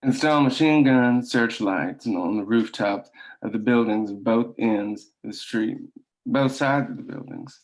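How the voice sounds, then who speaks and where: A man's voice: on the low side, unhurried, poor audio. A man playing a stern, domineering mine boss and father in a script table read. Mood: commanding.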